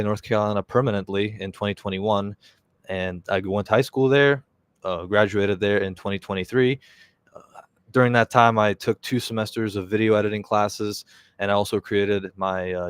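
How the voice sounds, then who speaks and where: A young man of about twenty talks casually to his live stream viewers. His voice sits low and sounds smooth and clear, in a dry space. He rambles, filling pauses with "uh" and correcting himself mid-sentence. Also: dry recording. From Czech Republic. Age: around 20. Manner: rambling, with many fillers and self-corrections. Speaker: YouTuber hosting a live stream.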